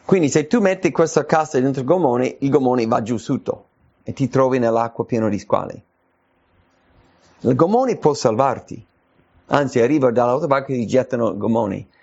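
A man preaching an informal sermon, answering viewers' letters, slow and earnest, stretching out his emphasis on scripture. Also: mid-range voice, lively intonation, gravelly, a little mellow, breathy edge. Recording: dull lo-fi recording.

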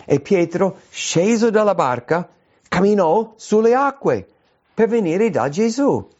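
A man preaching a sermon, his voice leaping high when he acts out quoted cries. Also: very animated, slow pace, a little mellow. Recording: dull lo-fi recording.

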